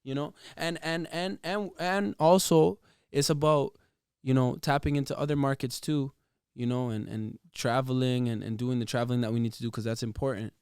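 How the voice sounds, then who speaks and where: A man with a smooth, clear voice recorded close and dry. He talks casually as a guest artist in an interview, slipping between Spanish and English. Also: medium pitch, fairly even intonation, unhurried, a little mellow, no room sound. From Toronto, Canada. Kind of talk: casual bilingual interview chat.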